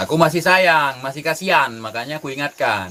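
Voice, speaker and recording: A man's lively intonation at a moderate pace, over noticeable background noise. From Aceh, Indonesia. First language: Acehnese (speaking Indonesian). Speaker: content creator. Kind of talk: warning message. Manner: casual.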